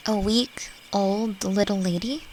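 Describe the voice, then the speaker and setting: A woman playing a friendly, playfully teasing elf who teaches magic, speaking gently and reflectively in a roleplay audio drama. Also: medium pitch, steady tone, slow, a little hiss or hum, close to an everyday voice, low-quality recording. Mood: thoughtful, gentle. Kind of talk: scripted roleplay audio drama addressed to the listener.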